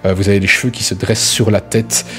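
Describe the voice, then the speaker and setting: Game master, male, lowish voice, halting improvised storytelling, faint music underneath. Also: little pitch movement, fairly bright tone. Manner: halting, conversational, searching for words. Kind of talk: improvised narration of a tabletop role-playing game.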